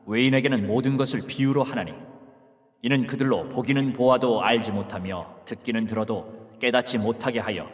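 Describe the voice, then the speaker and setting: A man voicing Jesus as a grave, solemn teacher in a dramatized scripture reading, speaking slowly and with measured weight. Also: mid-range voice, big-room sound, natural voice.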